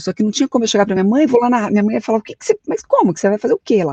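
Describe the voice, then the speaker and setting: Lively intonation marks this woman's speech, recorded in a dry, close sound with no echo. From Brazil, Taubaté (São Paulo state). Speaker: radio announcer and actress. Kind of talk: interview. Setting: video call.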